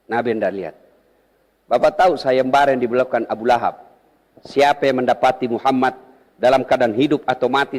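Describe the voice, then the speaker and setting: A middle-aged male Muslim preacher, telling stories in a humorous sermon and often jumping high in pitch for excitement. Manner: animated, jumps to high excited pitch when telling stories, jokes with audience. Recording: long hall reverb.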